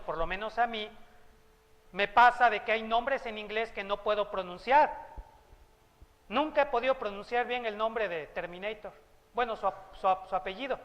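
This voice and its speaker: Mexican-accented male pastor, conversational humorous sermon, high pitch, reverberant church hall. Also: fairly bright tone. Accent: Mexican Spanish. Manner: humorous, conversational preaching with asides.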